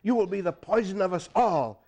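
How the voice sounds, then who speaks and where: Man acting an angry, domineering tribal chief, pitched up. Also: animated, moderate pace, dark tone. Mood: furious, demanding.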